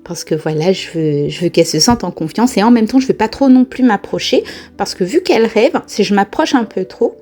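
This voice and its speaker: A woman vlogger telling a personal spiritual experience in a casual, lively way, often laughing and exclaiming. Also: mid-range voice, a little fast, soft background music. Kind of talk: casual first-person storytelling.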